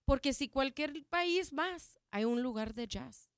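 Her voice is high and expressive. A native English speaker, she chats in Spanish during a casual interview about her jazz program, and her speech is halting, with frequent restarts and plenty of fillers.

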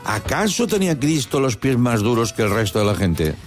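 Man, comedy show host, playful, very lively pitch, music clearly in the background. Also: normal speed. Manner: playful, animated, easily distracted. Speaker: podcast host. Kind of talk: casual comedic chat, reading listener questions.

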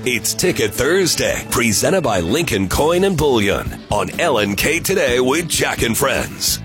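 A man's voice: mid-range voice, big pitch swings, a little slow. An American man reading scripted promotional station announcements as a radio announcer. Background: produced music bed.

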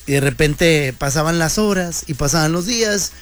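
A man's voice: a little high, moderate pace, a bit bright, soft background music. A man, hosting a radio show in a joking, slangy monologue. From Mexico. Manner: joking, slangy, playful banter. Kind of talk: casual comedic radio monologue.

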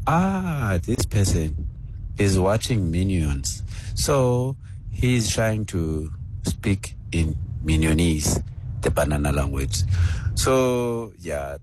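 Very deep, slow male caller. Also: noisy background.

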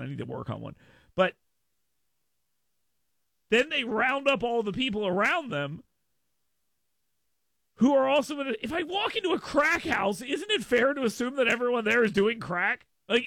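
A brash man hosting talk radio, his voice high and gravelly. He riffs sarcastically and mocks, his tone bright and sharp. The sound is close and dry. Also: very animated, normal speed, long pauses, no echo. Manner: brash, sarcastic, riffing and mocking. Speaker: radio talk show host. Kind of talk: talk radio monologue with live read ad.

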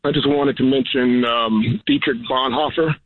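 A man's voice: medium pitch, fairly even intonation, moderate pace, no room sound. A man calling in to a talk show over the phone, speaking earnestly and urging listeners to act. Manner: earnest, exhorting. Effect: heard over the phone. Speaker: caller. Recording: tinny phone line.

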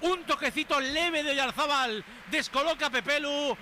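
A man calling a football match live, his voice very high and piercingly bright. He reels off play-by-play at an urgent clip, with a faint hiss of room noise behind him. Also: normal speed. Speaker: match commentator.

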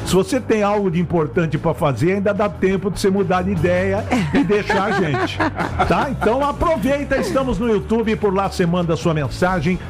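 High-voiced jokey co-host. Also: male voice, lively intonation, fairly quick. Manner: jokey, teasing. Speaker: radio co-host. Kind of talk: playful radio banter. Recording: radio studio with music bed.

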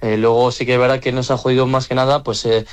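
A young male handball player from the French Basque Country answers interview questions casually, filling his speech with hesitant fillers. His medium-pitched voice is level, fast, clear, and resonant.

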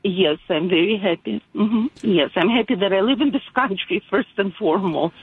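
An older woman born in Ukraine with an Eastern European accent, calling into a radio show and speaking haltingly with many fillers. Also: medium pitch, breathy edge, dry recording. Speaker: radio caller. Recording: tinny phone line on old radio broadcast.

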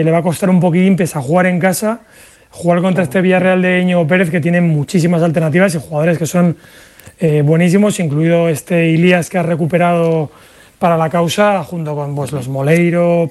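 A man who works as a sports journalist, giving measured analysis on a radio panel. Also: on the high side, fairly even intonation, darkish tone.

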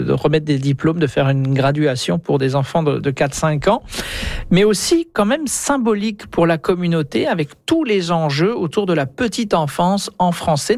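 A man's voice: fairly high pitch, gravelly, darkish tone, no echo. A man anchoring a radio news segment, introducing reports, fluent with an occasional stammered repeat.

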